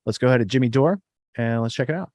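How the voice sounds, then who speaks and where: A man's voice: medium pitch, fast talker, a little mellow, no echo. A man hosting a podcast in casual, sardonic chat. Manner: wry, sardonic. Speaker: podcast host.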